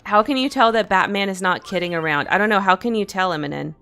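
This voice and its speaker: A woman with a Southern US accent giving casual, playful commentary as she plays a video game, reacting out loud and laughing easily. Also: mid-range voice, fast. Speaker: let's play streamer. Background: faint game music.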